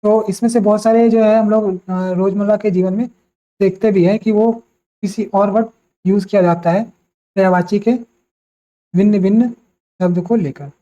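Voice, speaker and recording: A woman teaches an exam-prep vocabulary lesson, naming words one after another at a slow, deliberate pace. Her voice is mellow and soft-edged. The recording sounds dull and lo-fi. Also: mid-range voice, steady tone.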